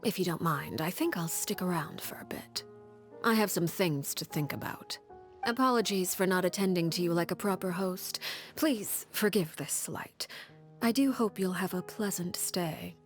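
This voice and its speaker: A composed noblewoman speaks in a lowish, even voice, as a woman plays her, every phrase formal and courteous. Her manner is measured and polite. Quiet game music sits underneath. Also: lightly acted. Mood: cool polite.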